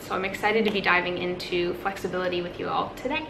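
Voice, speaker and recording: A woman at a fairly quick pace with fairly even intonation, against noticeable background noise. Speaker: fitness vlogger. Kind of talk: casual vlog chat. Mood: calm, friendly. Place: home room. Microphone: camera far.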